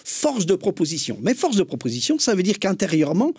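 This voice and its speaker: A man's voice: high voice, huge pitch swings, a little fast, darkish tone, breathy edge, dry recording, clean studio sound. A man taking part in a casual panel discussion, making his points emphatically and repeating key phrases.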